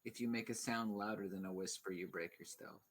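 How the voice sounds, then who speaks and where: A man's voice: on the low side, steady tone, brisk, fairly bright tone. A man chatting casually as a player in a tabletop role-playing game.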